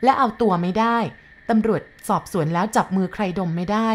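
A female narrator playing a sorrowful young servant woman held captive, quiet and grave; storybook audio with faint noise. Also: mid-range voice, natural voice. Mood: bitter. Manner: soft, quiet and measured.

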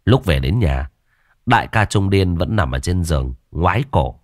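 A man narrating a horror story in a lively, expressive way. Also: low voice, normal speed, no room sound, clean studio sound.

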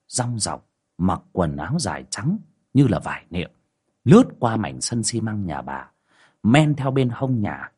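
A man narrating a ghost story in a hushed, dramatic way. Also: fairly low pitch, husky.

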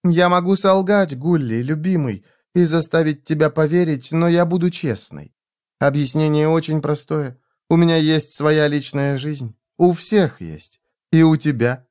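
Guy putting on a blind vengeful woman, higher voice, fierce and passionate, audiobook. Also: measured pace, darkish tone, clear, resonant tone, lightly acted. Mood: defiant. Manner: intense, passionate, defiant. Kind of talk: dramatic audiobook reading.

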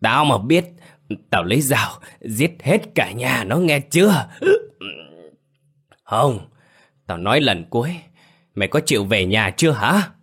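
A man's voice: lowish voice, animated, normal speed, long pauses, a bit bright, slightly rough. A man doing a furious drunken husband. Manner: slurred, roaring threats.

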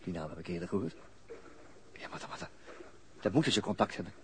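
Weary police detective, lowish pitch, hesitant and thoughtful delivery. Radio drama with faint noise. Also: male voice, expressive, a little mellow. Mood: pensive, puzzled. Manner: hesitant, halting, musing. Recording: noisy archived radio drama recording.

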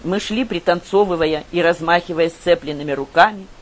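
A woman narrates a novel in a measured, expressive reading. Her voice sits somewhat low for a woman. The story is told in first person at an even storytelling pace. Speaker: audiobook reader. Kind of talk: literary audiobook narration.

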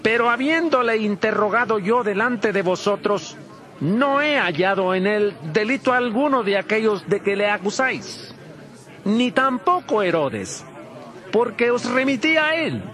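An actor playing a firm Roman governor addressing a crowd formally in an audio Bible drama. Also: male voice, sits high, expressive, measured pace, fairly bright tone. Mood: firm, declaring. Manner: declamatory, formal.

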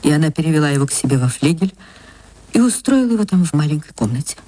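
A woman narrating a literary radio play in a measured, expressive way. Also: sits low.

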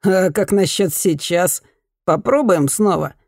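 A woman's voice: lowish voice, measured pace, darkish tone, dry recording, clean studio sound. A woman doing a drunken, pushy ex-boyfriend. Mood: leering. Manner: leering, drawling, pushy.

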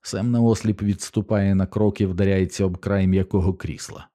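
A man narrating an audiobook in a steady, measured reading. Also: low-pitched. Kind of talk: scripted narration.

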